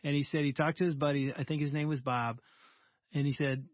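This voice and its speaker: A male radio host telling a story with animated energy and acting out the people in it. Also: a little high, fairly quick, dry recording. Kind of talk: conversational storytelling. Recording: slightly dull, dry studio sound.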